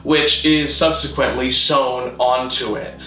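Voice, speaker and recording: A man narrating a scripted mock-documentary explainer in a formal, measured, deadpan manner. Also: mid-range voice, echoey room, soft background music, poor audio. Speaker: presenter of a constructed-language video.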